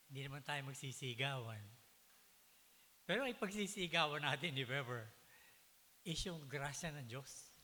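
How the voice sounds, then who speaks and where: A man's bright, sharp, fairly high voice with lively intonation at a moderate pace, plus audible room echo. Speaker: preacher. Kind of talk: sermon.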